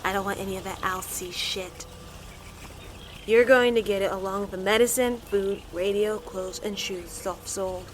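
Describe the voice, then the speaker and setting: A woman's voice: medium pitch, moderate pace, a little hiss or hum, natural voice. A woman playing a blunt, foul-mouthed spaceship captain with a curt, commanding, sardonic manner in an audio drama. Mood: impatient, demanding. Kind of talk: scripted audio drama acting.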